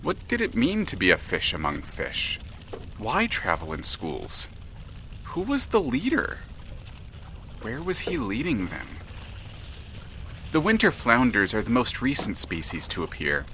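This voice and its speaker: A man narrating an audio drama in a measured, dramatic, literary storytelling manner. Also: mid-range voice, huge pitch swings, pushed and bright, slight background noise.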